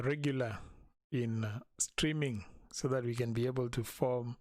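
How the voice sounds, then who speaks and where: Slow, patient male language teacher. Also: mid-range voice, dry recording. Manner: slow, patient, repeating phrases for learners. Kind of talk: live-streamed language lesson.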